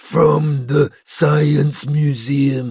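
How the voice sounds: Putting on a character voice, a man sounds raspy and hoarse at a fairly high pitch, his intonation monotone and flat.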